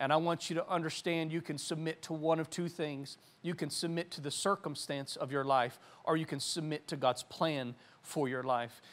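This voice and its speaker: Speaking at a moderate pace, a man has an ordinary speaking voice, fairly high-pitched with fairly even intonation. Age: 40s. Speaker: pastor. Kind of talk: sermon. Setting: church service streamed online.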